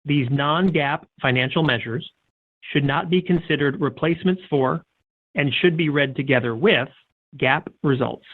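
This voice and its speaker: A man with a fairly high-pitched voice comes through a tinny telephone line. He reads scripted corporate statements in a stiff, formal, measured manner, like an executive addressing investors. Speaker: head of investor relations. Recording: tinny narrowband phone conference line.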